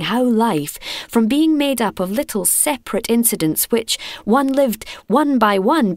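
A woman's voice: medium pitch, a little mellow, no echo. A woman with a Scottish accent giving a literary reading as a voice actor in a studio. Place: professional recording studio.

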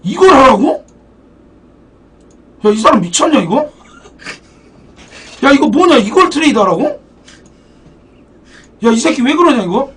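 A young man live-streaming a game, excitable and profane, thanking donors as he plays. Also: extremely high pitch, measured pace, pauses often. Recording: distant mic, background music.

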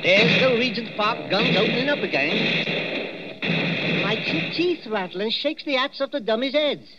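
A man's voice: extremely high pitch, animated, moderate pace, heavy background noise. An actor playing a chatty, jovial male night watchman in a 1940s radio drama, heard on a dull old recording. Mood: chummy. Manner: chummy, chuckling, calls people 'Governor'.

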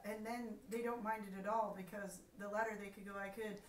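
A woman's voice: mid-range voice, fairly even intonation, a little fast, a little hiss or hum. A woman in the audience sharing her own experience, hesitant and restarting her words. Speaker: workshop attendee. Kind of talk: comment from the audience. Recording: distant, roomy, loud crowd around.

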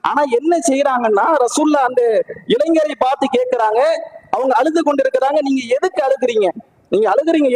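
A man preaching a Friday sermon, firing rhetorical questions at the congregation and swinging his pitch hard as he tells the story. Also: a little mellow, poor audio. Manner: emphatic, swings sharply up and down in pitch while telling stories.

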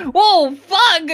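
A woman's voice: extremely high pitch, a bit bright. A woman chatting casually as a guest on a stream, laughing and swearing freely. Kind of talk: casual chat.

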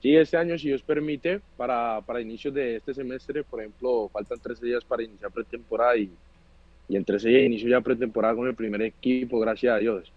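A man's voice: medium pitch, steady tone, brisk, no room sound. Young Colombian man on a dull video call. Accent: Colombian Spanish. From Cali, Colombia. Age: 20s. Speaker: guest footballer. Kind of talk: casual interview answers.

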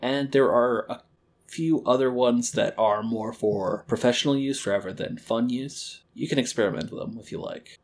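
A man teaching a screen-recorded lesson on a quality desk microphone, calmly explaining audio editing and wave theory step by step. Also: fairly low pitch. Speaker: library educator.

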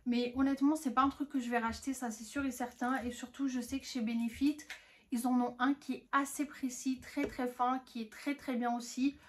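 A woman's voice: high voice, level tone, a little fast, a little hiss or hum. A young woman reviewing used-up beauty products in a casual, frank chat. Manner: chatty, frank, lots of "honnêtement" and "franchement". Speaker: beauty vlogger.

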